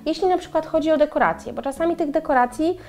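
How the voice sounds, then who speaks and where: Lively middle-aged woman co-hosting a chat. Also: high voice, fast talker. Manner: animated, gesturing, addresses viewers directly. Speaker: co-host. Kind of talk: casual chat. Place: bright room with flowers and windows. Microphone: lapel mic.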